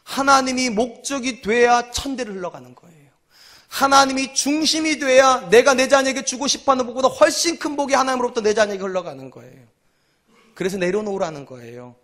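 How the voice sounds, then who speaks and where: With a very high, fairly bright voice moving a little fast, a male senior pastor delivers a sermon to his congregation. He repeats key lines for emphasis, asks rhetorical questions, and plays out quoted voices in brief dialogues.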